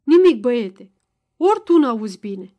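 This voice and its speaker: A woman voicing a stubborn, crafty old peasant father-in-law who speaks in a loud, gruff, mocking way. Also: fairly high pitch, natural voice. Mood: mocking, firm.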